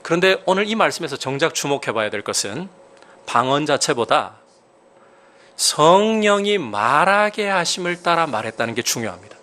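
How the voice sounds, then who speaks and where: A male pastor preaching in a slightly high voice that swings widely up and down. He stresses key points with sudden loud rises and asks his listeners questions as he teaches. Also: big pitch swings, normal speed. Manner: emphatic preaching with sudden rises in pitch and volume. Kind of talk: sermon.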